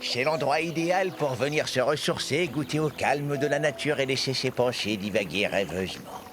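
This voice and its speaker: An actor playing a refined, timid, polite gentleman with formal, flowery speech in a French-dubbed children's cartoon. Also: mid-range voice, animated, normal speed, noisy background, natural voice. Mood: dreamy, puzzled.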